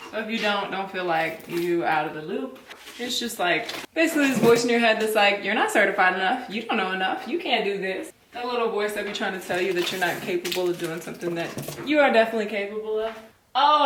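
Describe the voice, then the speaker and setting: Candid chatty woman vlogging. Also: mid-range voice. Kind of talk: casual vlog talk. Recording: echoey room, faint noise.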